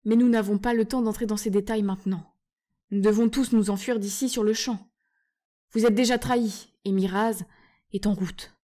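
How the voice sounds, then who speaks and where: Woman doing an old scholarly tutor, breathless, earnest, mellow tone. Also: medium pitch, fairly even intonation, lightly acted. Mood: urgent. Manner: earnest, hurried.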